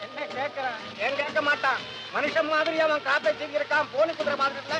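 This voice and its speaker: A man's voice: very high-pitched, fairly even intonation, a little fast, loud music behind the voice, poor audio. An actor playing a sarcastic, grumbling older rich father who scolds his son in a 1960s film comedy. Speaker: wealthy father.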